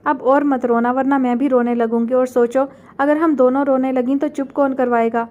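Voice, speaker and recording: A woman's voice: high voice, fairly even intonation, moderate pace, a little mellow, highs cut off, close to an everyday voice. A woman reading the part of a proud young woman who answers in clipped, curt phrases in a storybook reading.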